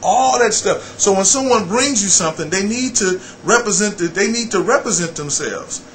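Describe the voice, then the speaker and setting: A middle-aged American man talking casually as an interview guest, blunt and animated, repeating phrases for emphasis. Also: high voice, normal speed, slight background noise. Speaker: radio personality and program director, interview guest.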